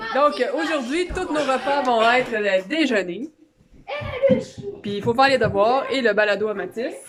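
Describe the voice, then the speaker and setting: Over noticeable background noise, a woman with a Quebec accent speaks at a high pitch and fairly slow pace, with lively intonation and long, frequent pauses. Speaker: mother vlogger. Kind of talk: family vlog. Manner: loud.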